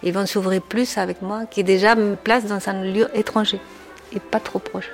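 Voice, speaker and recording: A woman from Chile with a strong Chilean Spanish accent, a native Spanish speaker, answering interview questions in French as a psychoanalyst, speaking in a reflective, measured way with frequent hesitations. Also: medium pitch, little pitch movement, soft background music. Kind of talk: documentary interview.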